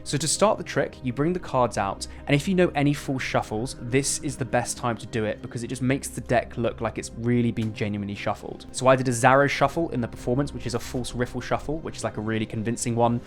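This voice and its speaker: A man's voice: medium pitch, quick pace, few pauses, faint music behind. A man presenting a casual step-by-step card magic tutorial in instructive, conversational magician patter.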